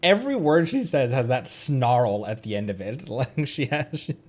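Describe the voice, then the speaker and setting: Animated, rambling male game streamer. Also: medium pitch, moderate pace. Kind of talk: casual chat while playing a game.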